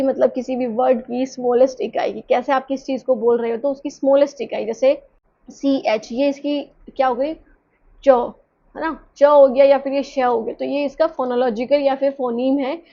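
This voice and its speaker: A woman teacher giving a lecture, explaining step by step, often rephrasing points and asking the viewer questions. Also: sits high. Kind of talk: online lecture explaining in mixed Hindi and English. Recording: slightly dull lo-fi sound.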